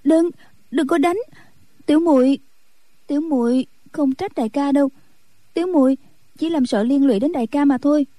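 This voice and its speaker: A woman's voice: high-pitched, normal speed, long pauses, no room sound, studio quality, voice pushed up, close to an everyday voice. Woman doing a timid, tearful young nun. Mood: anxious. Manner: anxious, pleading, soft.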